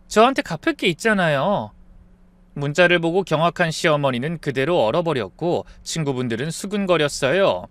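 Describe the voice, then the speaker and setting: A man narrating a dramatic true-life story in a calm, composed way. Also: fairly high pitch, clean tone, no echo.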